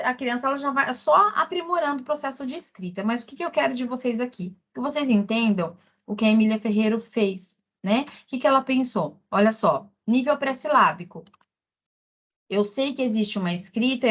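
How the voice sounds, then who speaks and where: A woman with a Brazilian Portuguese accent, lecturing as a teacher for exam preparation, explaining slowly with many fillers and repeated words. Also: fairly high pitch, a bit bright.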